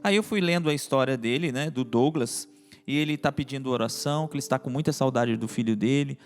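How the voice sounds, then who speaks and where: A man's voice: medium pitch, big-room sound. A man singing a worship song, then chatting casually and joking as co-host. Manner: relaxed, joking, quick when chatting. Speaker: singer and co-host. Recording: live music behind the singing. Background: musical instrument accompaniment.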